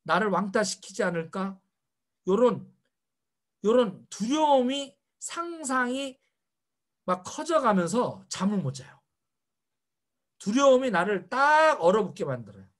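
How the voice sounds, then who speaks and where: Lively middle-aged man lecturing a seminar. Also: sits high, a little slow, long pauses. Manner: animated, with rhetorical questions to the audience. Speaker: seminar speaker.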